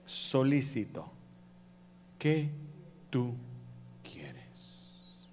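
A man voicing a calm, commanding Jesus figure who speaks quietly. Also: mid-range voice, slow, pitched below the performer's own voice. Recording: long reverb of a hall with faint hum.

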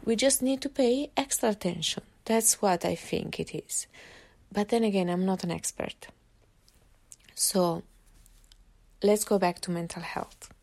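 A woman's voice: mid-range voice, measured pace, creaky, long pauses, a little mellow. A woman with an Italian accent hosting a solo podcast, giving earnest, encouraging advice with frequent fillers and restarts. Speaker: podcast host.

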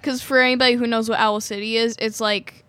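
A woman's voice: on the high side, flat delivery, fast, fairly bright tone. A woman with a Midwestern US accent, co-hosting a casual chat in a giggly, easygoing way full of fillers. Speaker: podcast co-host.

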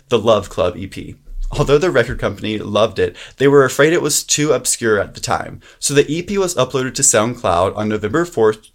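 Young adult male co-host, enthusiastic and easygoing, reads notes in a chatty tone. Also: medium pitch. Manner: upbeat and enthusiastic, laughs easily. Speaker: podcast co-host. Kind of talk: casual podcast chat, reading background notes.

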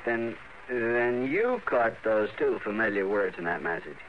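Excitable radio tinkerer, lively old-time drama. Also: male voice, on the low side. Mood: insistent, nervous. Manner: eager, halting, insistent. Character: earnest, excitable male radio tinkerer, sidekick to investigator. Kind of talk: 1950s radio drama acting. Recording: noisy, dull vintage radio broadcast.

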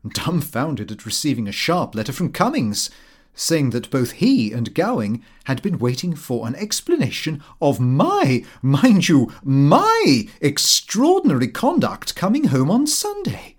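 A man reads a comic Victorian diary aloud. His pitch swings very widely, and he sounds prim and put-upon, with a theatrical way of telling it. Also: wildly swooping pitch, measured pace, breathy edge. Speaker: audiobook narrator. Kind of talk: animated scripted narration of a comic Victorian diary.

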